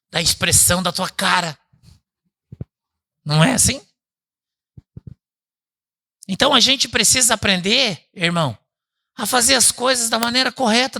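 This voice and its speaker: A man with a creaky voice preaches a conversational sermon as pastor at a church service. He keeps asking the congregation "né?" and calls them "irmão," or brother. He swings between loud, emphatic bursts and low, quiet asides.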